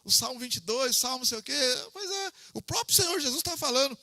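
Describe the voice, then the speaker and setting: High bright-voiced Brazilian preacher. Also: male voice, lively intonation, fast talker, no echo, long reverb tail. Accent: Brazilian Portuguese. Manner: conversational, repeats himself, asks the listeners for "amém". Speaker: preacher teaching a Bible study. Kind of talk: informal sermon teaching.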